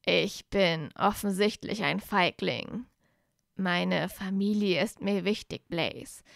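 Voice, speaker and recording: A woman reading aloud voices a proud young male wizard who sounds flat and defeated, speaking low and slowly. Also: creaky, no room sound, studio quality. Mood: weary.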